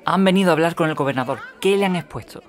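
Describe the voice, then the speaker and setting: Man acting a fast, high-pitched eager reporter. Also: a faint crowd, natural voice. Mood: eager, inquisitive. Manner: brisk, inquisitive. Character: eager, polite 1918 newspaper reporter questioning people. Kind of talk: audio drama acting.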